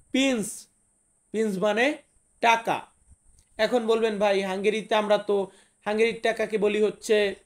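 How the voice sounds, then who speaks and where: Man, high-pitched, from Bangladesh, casual vocabulary lesson, repeats words slowly, talks to viewers. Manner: repeats each word slowly, addresses viewers directly. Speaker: language teacher.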